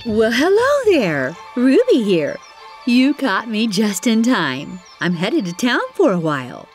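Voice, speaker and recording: A woman's voice: fairly high pitch, huge pitch swings, slow, a little mellow, heavily acted. A woman playing a perky, friendly storyteller who hosts a children's cartoon and exclaims to young listeners. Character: perky, friendly female storyteller and race announcer. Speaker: host and narrator. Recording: music behind the voice.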